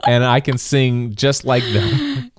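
A man's voice: mid-range voice, wildly swooping pitch, slow pace, dry recording, studio quality. A man in his forties co-hosting a podcast as a casual chat, joking and poking fun at himself. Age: 40s. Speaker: podcast co-host. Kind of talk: casual married-couple chat.

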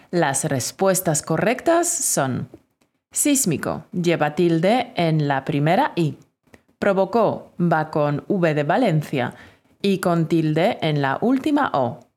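Slow, lively-voiced woman teacher dictating. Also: on the low side. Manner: clear, deliberate dictation. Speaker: Spanish teacher. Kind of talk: spelling dictation lesson.

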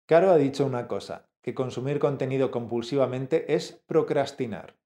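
A man co-hosting a language lesson, measured and explanatory, speaking straight to the learner. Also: mid-range voice, dark tone. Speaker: language teacher, co-host.

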